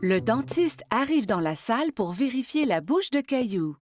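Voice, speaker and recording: A woman narrates a children's cartoon story from a script. Her voice is fairly high and moves up and down in a very animated way, with clear music behind it. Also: moderate pace.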